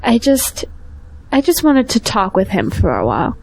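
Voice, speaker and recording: A woman playing a gentle, grateful young Christian woman in an audio drama. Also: fairly high pitch, huge pitch swings, normal speed, creaky, full character voice, poor audio. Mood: subdued.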